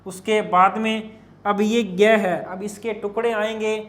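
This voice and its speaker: Slow, high-voiced male Hindi teacher. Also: little pitch movement, fairly bright tone, reverberant. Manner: slow and explanatory, spells out letters piece by piece; addresses students as children, asks and answers his own questions. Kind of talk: exam-prep classroom lecture.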